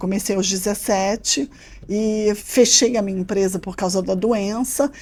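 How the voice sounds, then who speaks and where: A woman at a fairly slow pace, in a Carioca accent, with a medium pitch and ordinary pitch variation. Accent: carioca Brazilian Portuguese. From Rio de Janeiro, Brazil (Leme, Zona Sul). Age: 60s. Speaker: influencer, writer and columnist. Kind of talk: panel talk / business interview. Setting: business center event.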